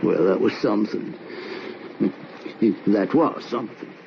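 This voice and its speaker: A gravelly, haltingly rambling drifter. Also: male voice, lowish voice. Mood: brooding. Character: haunted, confused drifter man. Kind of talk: 1940s radio acting. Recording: dull old radio recording, faint hiss.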